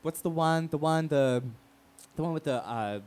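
An actor playing a brash, wounded, proud gay radio talk show host in an emphatic, profane, theatrical monologue. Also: male voice, a little high, normal speed, darkish tone, lightly acted. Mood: wry, rambling.

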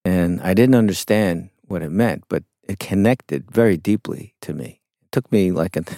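Deep gravelly man, reflective and unhurried. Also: mellow, no room sound, clean studio sound. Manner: reflective, unhurried, with frequent fillers. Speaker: interview guest, songwriter. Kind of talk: conversational interview storytelling.

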